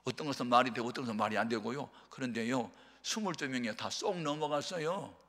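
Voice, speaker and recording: Older man preaching, loud hall echo. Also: mid-range voice, fast talker. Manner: retells arguments in lively voices, builds to shouting. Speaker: pastor. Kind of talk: sermon with storytelling. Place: large prayer-retreat hall. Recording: long hall reverb.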